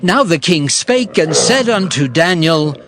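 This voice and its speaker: A man's voice: fairly high pitch, big pitch swings, a little slow, very noisy. A man narrating scripture dramatically, in a solemn storytelling manner. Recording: clear music behind the voice.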